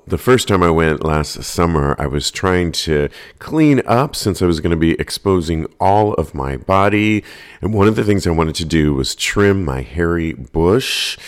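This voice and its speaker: A man delivering a conversational, scripted podcast ad read in a candid, personal storytelling way. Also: low-pitched. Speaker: podcast host reading a sponsor ad.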